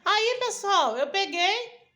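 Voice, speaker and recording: A woman's voice: very high voice, very animated, takes it slowly, pushed and bright. A woman missionary telling a personal testimony in a chatty way, stringing events together and acting out the dialogue in her own voice. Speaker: missionary and preacher.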